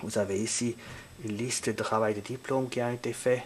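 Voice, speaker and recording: Here a man talks at a moderate pace with fairly even intonation. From Switzerland, German-speaking. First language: Swiss German / German (speaking French). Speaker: university program coordinator. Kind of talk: informational presentation with screen walkthrough. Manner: halting, many hesitations.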